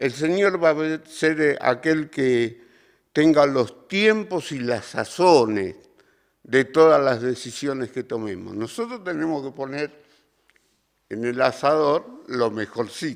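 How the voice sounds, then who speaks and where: The recording is very clean, and the background is silent. Speech moves at a very slow pace. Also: man, fairly high pitch for a man. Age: 70s. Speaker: Bible teacher. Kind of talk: Bible study teaching. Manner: conversational, with hesitations.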